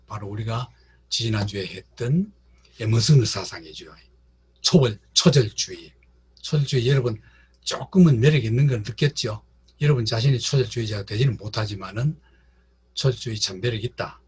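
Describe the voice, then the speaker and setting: A man delivers a literature lecture in a rough, husky voice at a middle pitch. He keeps repeating key words and speaks directly to the people in the room. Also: darkish tone. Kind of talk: classroom lecture.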